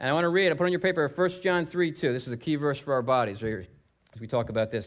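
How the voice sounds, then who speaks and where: The speaker is a man with an ordinary speaking voice. His pitch sits fairly high, and his intonation is lively. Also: very clean recording, silent background. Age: 40s. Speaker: guest preacher. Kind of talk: sermon. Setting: church.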